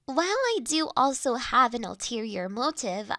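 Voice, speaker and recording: A woman playing a gentle, formal young mistress of a manor in a roleplay audio drama, speaking earnest, caring lines in measured, old-fashioned phrasing. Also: fairly high pitch, big pitch swings, no echo, clean studio sound.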